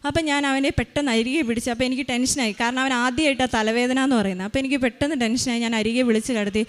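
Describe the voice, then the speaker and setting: Fast-talking woman telling a testimony. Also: a little high. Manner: hurried, with frequent fillers and restarts. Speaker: mother giving a testimony. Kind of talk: personal testimony storytelling.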